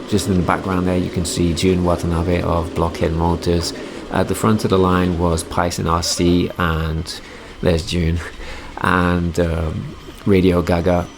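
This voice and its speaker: A man in his forties from Derby, England, with a Midlands English accent softened by many years abroad, chatting in a rambling way with lots of ums and restarts as a hobby vlogger's voice-over. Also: sits low, creaky, noisy background. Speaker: RC hobby YouTuber. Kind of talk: casual voice-over commentary.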